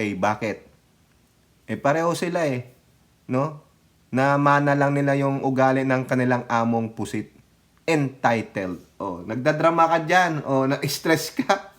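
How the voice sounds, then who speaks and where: A man's voice: medium pitch, unhurried, fairly bright tone. A man giving casual political commentary as a vlogger, sarcastic and mocking, laughing often and speaking straight to his viewers. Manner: addresses viewers directly as countrymen.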